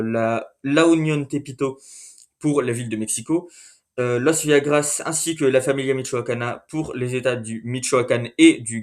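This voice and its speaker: A man at an ordinary mid pitch talks through a monthly recap in a relaxed, unscripted way. He stumbles often and fills the gaps with filler sounds, stopping to correct himself before pressing on. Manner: hesitant, many fillers and self-corrections. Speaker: video host. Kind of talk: casual monthly recap narration.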